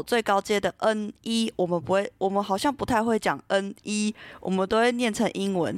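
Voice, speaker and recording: A young woman from Taiwan, hosting a solo podcast and telling a personal story in a gentle, earnest way with many soft pauses. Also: mid-range voice, no room sound, studio quality. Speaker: podcast host. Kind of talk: scripted solo podcast talk.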